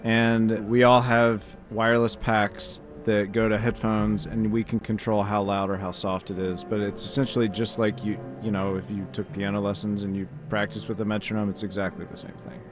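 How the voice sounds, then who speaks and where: Low-voiced relaxed orchestra percussionist man. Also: moderate pace, hardly any pauses, over music. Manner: relaxed and explanatory, casual fillers. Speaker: principal percussionist. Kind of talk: intermission interview.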